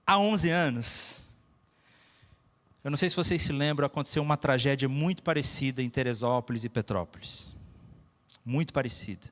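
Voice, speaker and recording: A man's voice: medium pitch, normal speed, long pauses, a bit bright. A Brazilian man preaching a sermon with personal stories, emphatic and repeating phrases for effect. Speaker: pastor. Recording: echoey hall with long reverb.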